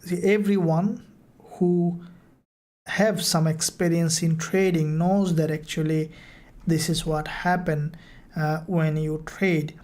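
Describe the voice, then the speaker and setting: Female live-stream host and mentor. Low, very even delivery, halting phrasing, informal question-and-answer style.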